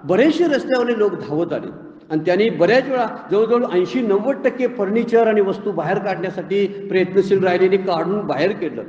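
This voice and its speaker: A man's voice: sits high, expressive, fairly quick, darkish tone. A man gives a devotional discourse on scripture, telling folksy stories and asking rhetorical questions. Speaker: spiritual discourse speaker. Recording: roomy echoing hall, slightly muffled.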